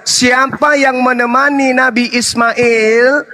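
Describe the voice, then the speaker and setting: Casting: high, bright-toned man debating hotly, slow verse recitation, taunting, faint noise behind. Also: fairly even intonation. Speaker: religious debate host. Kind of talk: heated live debate.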